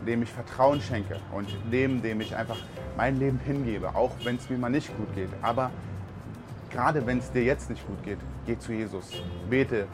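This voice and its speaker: A man's voice: medium pitch, normal speed. A man from Berlin, a truck driver on a mission team, gives an earnest, heartfelt personal testimony with many fillers. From Berlin, Germany. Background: music.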